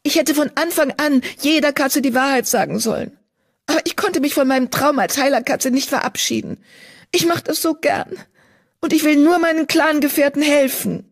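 A woman voicing an anxious, guilt-ridden young female medicine cat in an audiobook, pleading and distressed. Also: moderate pace. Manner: pleading, distressed, voice raised high. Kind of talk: audiobook character voice.

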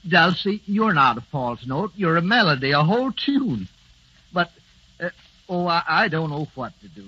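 A flustered stammery husband, really bright high voice, muffled old-time radio broadcast. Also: male voice, very animated, normal speed, breathy edge, full character voice. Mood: tender. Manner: stammering, earnest. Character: fretful businessman husband, fond but exasperated. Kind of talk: 1930s radio drama acting.

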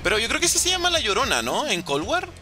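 A young man doing animated gameplay commentary, talking straight to his viewers. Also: very high voice, quick pace. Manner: animated, excitable, talks to viewers. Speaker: gaming YouTuber. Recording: game music behind voice.

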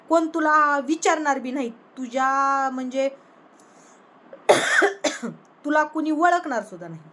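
Angry scolding woman vlogger, higher voice. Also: a bit bright. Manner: rhetorical questions, addresses a rival directly. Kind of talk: political rant to camera.

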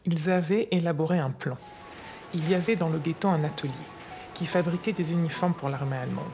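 A woman's voice: sits low, brisk. Older grandmother storyteller over music played by a woman. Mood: patient, explanatory. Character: patient grandmother explaining wartime history to a child. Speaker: grandmother telling history to her grandchild. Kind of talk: explanatory storytelling to a child. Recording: music under the voice.

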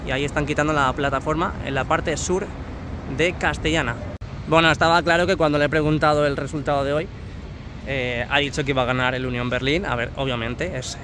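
Strolling outdoors along a city street, this vlogger from Spain holds his phone and keeps up a playful, talkative running commentary in a voice on the high side. With foreigners he switches to broken English. Cars and traffic can be heard around him.

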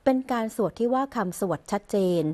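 A woman reading the royal court news in a measured, formal and even voice as a scripted broadcast voice-over. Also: on the high side. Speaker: news reader.

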